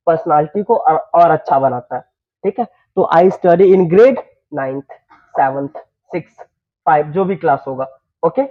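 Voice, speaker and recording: A young man with a Bhojpuri-tinged Hindi accent, from eastern Uttar Pradesh, teaching an English class, often repeating himself and checking that his students follow. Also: high-pitched. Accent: Bhojpuri-influenced Hindi. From eastern Uttar Pradesh, India. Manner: repeats phrases, checks students understand, slows down for English sentences. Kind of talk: classroom lesson. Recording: tinny phone-like recording.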